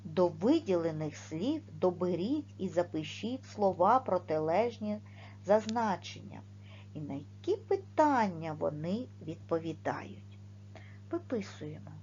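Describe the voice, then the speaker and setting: A woman gives a video lesson for children at an unhurried pace, her pitch rising and falling in a lively way. She pronounces every word and sound with care. The recording is dull and lo-fi, with a faint hum underneath. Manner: slow, clearly articulated, stressing words and sounds. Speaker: primary school teacher.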